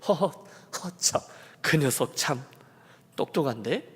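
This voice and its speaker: A man voicing a wealthy older master who grumbles low, then wryly lets things go. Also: lively intonation, slow, breathy edge, heavily acted. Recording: long church reverb.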